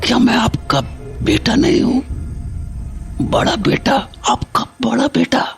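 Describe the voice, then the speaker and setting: A man's voice: extremely high pitch, slow, creaky, soft background music, exaggerated voice. A man voicing an unsettling grown son who comes home after years away, whispering and swinging from sweet to hurt, in a horror audio drama. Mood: wounded pleading. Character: unsettling grown son, returned after 22 years, mother calls him a monster.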